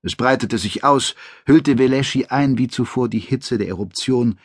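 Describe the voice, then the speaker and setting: Measured male audiobook narrator. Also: mid-range voice, husky, no echo, studio quality. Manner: measured dramatic reading. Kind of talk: scripted narration.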